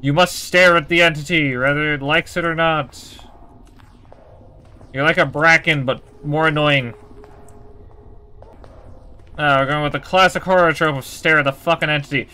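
A man's voice: on the high side, fairly even intonation, normal speed, long pauses, sharp tone, clean tone. A man giving casual, uneasy commentary as he streams a horror game, swearing and muttering taunts at the monster.

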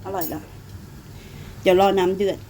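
A woman's voice: lowish voice, steady tone, moderate pace, mellow, breathy edge, rough recording. Chatty Northeastern Thai woman cooking. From Thailand. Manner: chatty, talks about herself by her own nickname. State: coughing with phlegm. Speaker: cooking vlogger. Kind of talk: casual cooking vlog.

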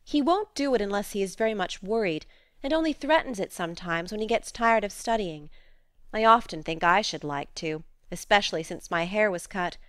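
A woman's voice: mid-range voice, expressive, moderate pace, fairly bright tone, no room sound, studio quality, close to an everyday voice. A woman reading a spirited, outspoken teenage girl who speaks earnestly and frankly.

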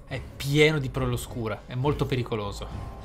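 A man's voice: mid-range voice, a little fast. A man giving casual gameplay commentary in a theatrical way, with flowery wording and exclamations. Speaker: gaming video host. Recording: music behind the voice. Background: game music.

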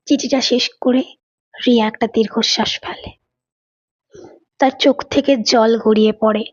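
A woman's voice: on the high side, steady tone, a little slow. A woman storyteller reading a scripted dramatic audio story. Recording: dull lo-fi recording.

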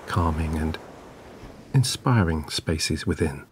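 A man narrating a scripted guided sleep meditation in a soothing, gentle, measured way. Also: extremely low pitch, animated, noisy background. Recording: clear background ambience of waves. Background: relaxing ocean wave sounds.

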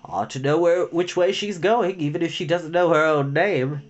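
A woman voicing a fussy older gentleman who speaks in a hushed, confiding way. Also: on the low side, moderate pace, lo-fi sound, lightly acted.

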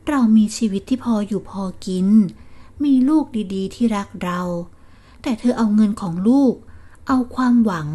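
A woman's voice: on the high side, normal speed, mellow, natural voice. A woman voicing a worried old husband who pleads with his wife not to be fooled. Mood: tearful. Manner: pleading, anxious, reproachful.

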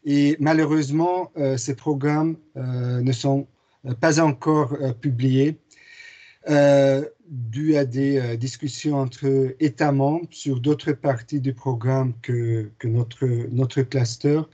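Slow, hesitant non-native man presenting. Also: mid-range voice, fairly even intonation, warm tone. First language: not French. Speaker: guest presenter. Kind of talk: webinar presentation. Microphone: video call. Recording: muffled video call audio.

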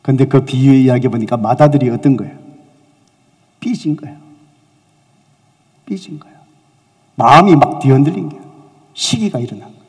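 A male pastor preaching a sermon, telling a story with lively swings between loud emphasis and soft, near-whispered asides. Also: mid-range voice, brisk, long pauses. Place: church sanctuary. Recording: echoey church hall.

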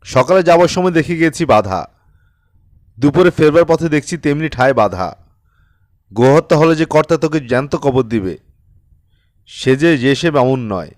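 A man's voice: a little high, expressive, normal speed, pauses often, dry recording, close to an everyday voice. Guy doing a snooty brahmin priest for an audiobook, scolding n sneering, bossy, super dry sound. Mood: stern, scolding. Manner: sharp taunts, contemptuous commands. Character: haughty, scolding Brahmin priest, mocking and callous. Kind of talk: dramatized audiobook storytelling.

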